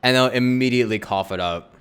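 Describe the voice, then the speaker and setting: Very low-voiced woman game streamer. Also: quick pace, clean tone. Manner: slangy, short muttered reactions. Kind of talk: casual live reaction commentary. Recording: faint game music behind.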